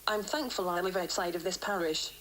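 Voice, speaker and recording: A woman's voice: fairly low pitch, brisk, fairly bright tone, close to an everyday voice, poor audio. Woman acting a grave female doctor on hissy tape. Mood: frustrated, resolute. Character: worried, defiant female doctor dictating research tapes. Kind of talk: analog horror tape log, scripted report. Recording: hissy vintage cassette tape recording.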